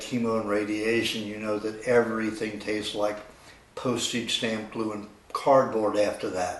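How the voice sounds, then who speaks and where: Audible room echo hangs around a man's voice. His pace is fairly slow. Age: 60s. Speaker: nutritionist. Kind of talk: persuasive testimonial monologue. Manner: animated.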